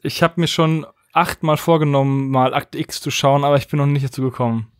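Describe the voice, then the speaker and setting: A man's voice: medium pitch, steady tone, brisk, clean tone, no room sound, studio quality. A man talking casually as one of the hosts of a podcast. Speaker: podcast host.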